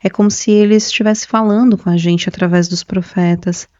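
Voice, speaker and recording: A woman's voice: mid-range voice, steady tone, brisk, darkish tone, no echo, highs cut off. A shy woman giving an earnest, emotional testimony to the camera as a Christian video creator. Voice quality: earnest, self-described shy. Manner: emotional, repetitive, confessional. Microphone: camera mic.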